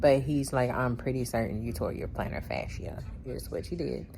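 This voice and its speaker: Woman vlogging, low voice, chatty and laughy, faint background hum. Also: moderate pace, gravelly. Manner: chatty, laughs often, quotes her doctor in animated bits. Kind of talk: casual vlog chat.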